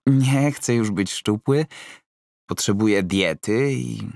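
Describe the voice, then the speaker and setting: A man voicing an eager, hesitant middle-aged banker in an audiobook, excitable and halting, with stammers. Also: lowish voice, vocal fry, no echo, studio quality, pitched above the performer's own voice. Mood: insistent.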